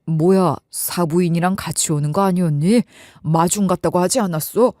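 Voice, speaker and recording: A woman's voice: lowish voice, normal speed, mellow, dry recording, clean studio sound, voice pushed down, close to an everyday voice. A woman voicing a mild, puzzled middle-aged father who asks questions.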